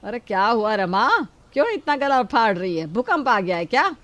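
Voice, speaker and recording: A woman's voice: fairly high pitch, expressive, moderate pace, a bit bright. A middle-aged woman playing a kind, protective mother-in-law who scolds yet shields her daughter-in-law.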